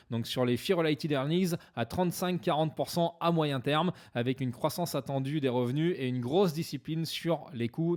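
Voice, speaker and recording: A man's voice: on the high side, darkish tone. A French-speaking man explaining stock investments to viewers in a conversational way, with frequent hesitations. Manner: conversational, many "euh" fillers; jokes about his own English accent. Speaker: finance YouTuber.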